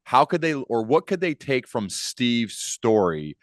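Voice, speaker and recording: A man's voice: mid-range voice, sing-song, a little slow, no echo. An American man in his thirties hosting a podcast, asking questions in a casual conversational way, close on a studio microphone. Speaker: podcast host. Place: dim home studio. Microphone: large desk podcast microphone, close.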